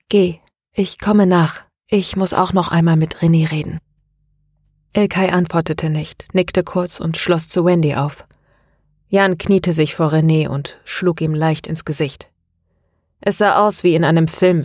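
Woman audiobook narrator, low voice, dry close studio sound, steady reading. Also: no room sound. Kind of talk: scripted narration.

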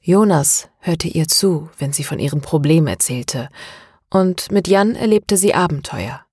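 A woman voicing a calm, tired middle-aged man confessing his past, in an audiobook. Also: low-pitched, slightly rough, no echo, studio quality, heavily acted. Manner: calm, even and measured.

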